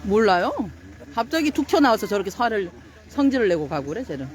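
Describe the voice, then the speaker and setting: A woman's voice: medium pitch, sing-song, fast. A woman at an outdoor protest who scolds the police, insistent and repeating her demands. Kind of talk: heated street confrontation.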